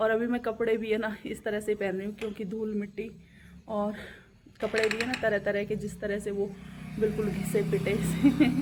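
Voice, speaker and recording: A woman speaks at a moderate pace with a fairly high pitch and a flat, monotone delivery. Noticeable background noise runs under her voice. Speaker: vlogger. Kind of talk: casual vlog.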